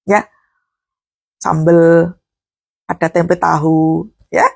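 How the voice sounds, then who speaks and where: A woman's voice: lowish voice, level tone, extremely slow, gravelly, a little mellow, husky, no room sound. A woman preacher giving a sermon in a conversational, folksy way, moving between teaching and fervent prayer.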